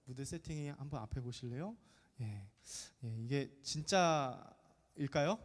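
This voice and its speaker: A man's voice: medium pitch, animated, a little slow. A man in his thirties, a pastor giving a chatty, jokey sermon to a middle-school youth group, often asking the congregation questions. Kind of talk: lively sermon to teenagers. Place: church sanctuary. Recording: long church reverb.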